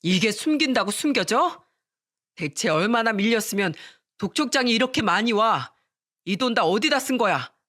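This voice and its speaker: A woman's voice: fairly high pitch, expressive, normal speed, a bit bright. A woman voicing an angry husband who scolds his wife coldly, in a story reading. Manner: harsh, scolding.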